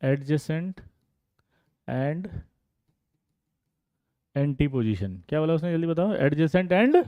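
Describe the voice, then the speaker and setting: Male chemistry tutor, bright high register, teasing and fast-prompting, dry close-mic sound. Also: dry recording, lo-fi sound. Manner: playful, teasing students by name, rapid "jaldi batao" prompts. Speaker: chemistry teacher. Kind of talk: energetic online exam-prep lesson.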